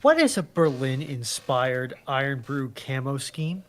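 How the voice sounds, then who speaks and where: A man's voice: medium pitch, a little slow. A man speaking casually as a panelist in a live discussion. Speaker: panelist relaying a chat question.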